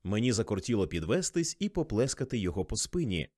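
A man narrating a novel as an audiobook, expressive and measured. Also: fairly low pitch, no room sound, clean studio sound. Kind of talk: scripted literary narration.

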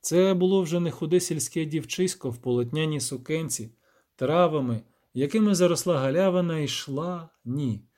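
A man narrating a fantasy audiobook in a dramatic, expressive reading. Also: on the high side, normal speed.

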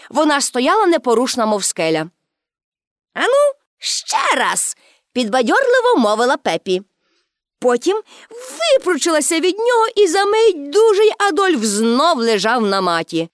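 A woman narrating a storybook in an expressive reading voice. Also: on the high side, no echo, clean studio sound.

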